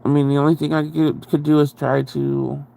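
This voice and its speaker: A man's voice: a little high, little pitch movement, normal speed, gravelly, dark tone. A man hosting a casual livestream, chatting in a rambling way and greeting viewers, his voice nasal and congested from a cold, speaking very close to the microphone so his breathing comes through. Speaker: livestream host. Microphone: very close to the microphone, breathing audible.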